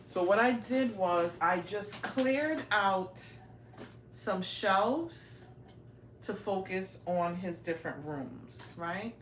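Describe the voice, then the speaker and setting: A chatty woman in her forties leads a casual live-stream tour, talking straight to her viewers. Her voice sits at an ordinary middle pitch and carries the open ring of small home rooms. A faint hiss runs beneath it, picked up by a handheld phone. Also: slow pace, a bit bright. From raised in Brooklyn, New York. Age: 40s. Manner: chatty, keeps addressing viewers directly. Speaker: livestream host. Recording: roomy home audio, faint noise.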